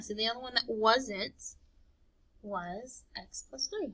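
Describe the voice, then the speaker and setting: Very slow and lively in intonation, a woman speaks at a fairly high pitch in a bright, sharp tone with vocal fry. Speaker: math teacher. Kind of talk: recorded lesson.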